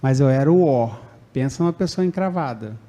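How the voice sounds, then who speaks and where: A man's voice: mid-range voice, animated, fairly quick, warm tone. A man from Brazil giving a conversational public talk at a spiritist centre, acting out quoted lines and tagging sentences with "né?". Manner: conversational, acts out quoted lines, frequent "né?" tags. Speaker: spiritist lecturer. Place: spiritist centre lecture hall.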